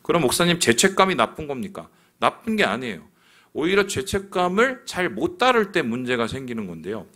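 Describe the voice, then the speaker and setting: A man's voice: on the high side, fairly quick. A male pastor preaching a sermon in a church, asking his listeners questions as he goes. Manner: animated, asks the congregation questions. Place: church sanctuary.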